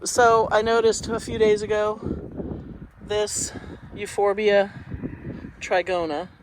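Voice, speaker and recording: Female gardening vlogger, congested and chatty, mid pitch, faint outdoor noise behind her. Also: steady tone, slow. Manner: chatty, rambling, talks to camera. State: congested, sniffling. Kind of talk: casual garden walkthrough.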